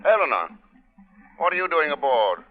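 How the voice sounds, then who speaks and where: An actor playing a self-assured, dry-witted investigator, terse and composed in 1940s radio style. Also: male voice, fairly high pitch, very animated, normal speed. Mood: brisk. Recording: dull old-time radio recording.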